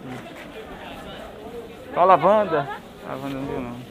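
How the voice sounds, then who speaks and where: A man's voice: mid-range voice, normal speed, narrow, tinny audio. A man from Brazil with an Alagoan accent, chatting with vendors and viewers as he walks through a street market. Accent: Alagoan Brazilian Portuguese. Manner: friendly, chatty, addresses viewers as friends. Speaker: vlogger touring a street market. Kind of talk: casual chat with vendors and viewers. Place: busy open-air street market outdoors. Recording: loud market crowd behind.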